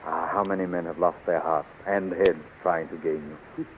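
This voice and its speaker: An actor playing a gallant, devoted hero prince in a 1930s radio serial, florid and declamatory. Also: male voice, sits low, steady tone, normal speed, lightly acted. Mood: ardent, courtly. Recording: scratchy, thin 1930s radio recording.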